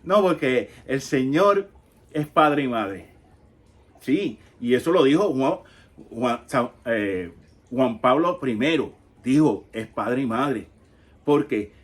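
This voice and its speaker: A male Catholic catechist in his fifties walks through a Bible passage at an unhurried, measured pace. His voice sits in a middle register, and he keeps stopping to pose rhetorical questions to his listeners. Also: mid-range voice, lively intonation, slightly rough. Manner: slow, pausing, conversational teaching with many rhetorical questions.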